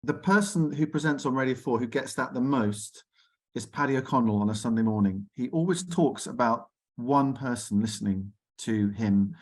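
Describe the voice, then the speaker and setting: A male host with a middle-pitched voice leads an online arts conversation. He is chatty and enthusiastic, speaking informally over a video call. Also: moderate pace. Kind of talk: hosting an online arts discussion.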